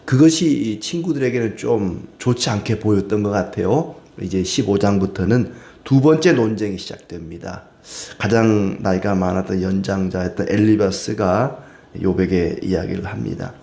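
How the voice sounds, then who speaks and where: A man's voice: on the low side, moderate pace, vocal fry, mellow. A man preaching a Bible study sermon in a conversational way, with frequent filler sounds. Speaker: pastor. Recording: roomy echo.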